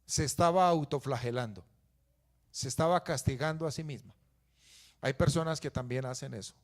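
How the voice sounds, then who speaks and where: Male pastor, mid-pitched, preaching with dramatic shifts between forceful emphasis and soft asides. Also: moderate pace. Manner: swings from loud emphatic peaks to low quiet asides. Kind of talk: sermon.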